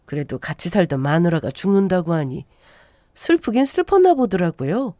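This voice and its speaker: Expressive woman narrating a story. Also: fairly low pitch, normal speed, no echo, studio quality. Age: 40s.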